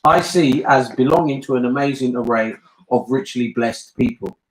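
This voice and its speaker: In a rough recording with roomy acoustics and crowd noise behind him, an older man with a British accent talks at a moderate pace in a medium-pitched voice. A bishop hosting family talks, he speaks earnestly and emphatically in a casual discussion, often repeating things for emphasis.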